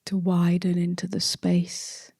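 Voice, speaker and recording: A woman leading a guided meditation as a teacher, speaking gently in a soft, hushed, breathy voice with long pauses between short phrases. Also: on the low side, completely flat delivery, no echo, studio quality.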